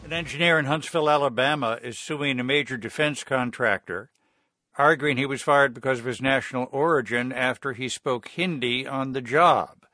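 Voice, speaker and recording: A male news anchor introducing a story in a crisp, authoritative read. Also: medium pitch, normal speed, pushed and bright, no echo, studio quality.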